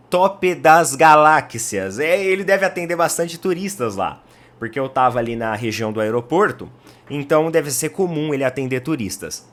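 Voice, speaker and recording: A man with a Brazilian Portuguese accent, hosting a football opinion channel in a chatty, animated way and speaking straight to his viewers. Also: a little high. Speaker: football commentary channel host. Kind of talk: casual football opinion talk.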